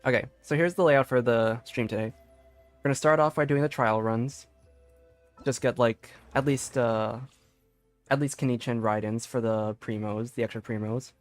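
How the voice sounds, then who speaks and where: A man chats casually through a game livestream, thinking aloud as he goes. His mid-pitched voice is dry and close to the mic, with faint music underneath. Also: fairly even intonation, normal speed, no echo. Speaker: game streamer. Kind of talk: casual livestream gameplay chat.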